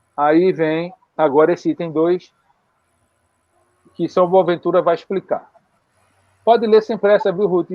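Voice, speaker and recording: A man with a high voice speaks at a fairly slow pace with ordinary pitch variation, leaving long, frequent pauses. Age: 60s. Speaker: religious study group teacher. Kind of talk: lecture.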